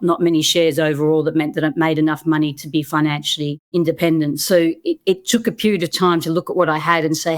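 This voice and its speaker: A middle-aged woman from Australia with an Australian accent, talking earnestly as an interview guest and often restarting her words. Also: sits low. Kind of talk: conversational interview.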